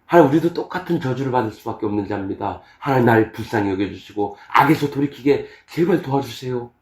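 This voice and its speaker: Male pastor, animated sermon delivery that acts out the voices, roomy church sound. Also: mid-range voice, fast. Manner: animated, acts out scripture voices with laughs and shouts.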